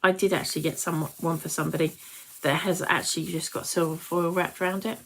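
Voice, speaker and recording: A British woman, nearly fifty, hosts a live craft demonstration, chatting and rambling as she breaks off to address viewers. Her voice sits on the low side with little pitch movement, and she talks at a quick pace.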